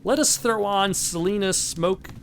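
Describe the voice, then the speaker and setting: A man's voice: sits high, measured pace, soft background music. Man reading game text aloud. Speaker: let's play host.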